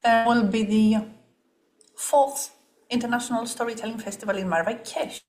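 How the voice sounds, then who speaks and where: A woman's voice: a little high, fairly even intonation, moderate pace, darkish tone. A woman interviewing a guest as podcast host, in a casual conversational style.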